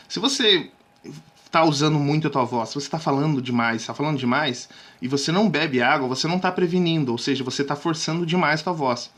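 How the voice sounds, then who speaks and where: A man with a fairly high voice coaches his viewers on speaking, casual and direct. He checks in with them often and sometimes sinks to a hush to make a point. His delivery is lively and conversational. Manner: lively, drops suddenly to near-whispers to show technique; chatty, addresses viewers directly with frequent "tá?". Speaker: communication coach. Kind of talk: casual video lesson.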